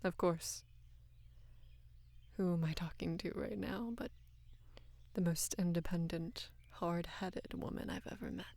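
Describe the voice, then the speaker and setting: Hushed, low-voiced devoted lady knight, acted by a woman. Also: steady tone, no echo, whispered. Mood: soft, worried. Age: young adult. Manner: hushed, breathy, halting and earnest. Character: devoted female knight, tender, anxious, in love with queen. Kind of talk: intimate roleplay audio, soft acted monologue.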